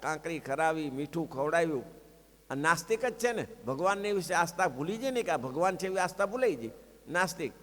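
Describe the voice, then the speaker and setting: A man with a Gujarati accent giving a sermon, telling a story and acting out its voices with swings in pitch. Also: a bit bright. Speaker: preacher giving scripture discourse. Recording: long hall reverb.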